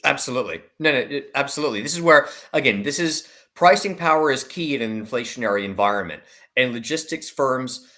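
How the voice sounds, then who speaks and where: A man's voice: medium pitch, lively intonation, brisk, bright, forceful tone. Emphatic man giving market commentary. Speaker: investment analyst guest. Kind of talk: market commentary in an online discussion.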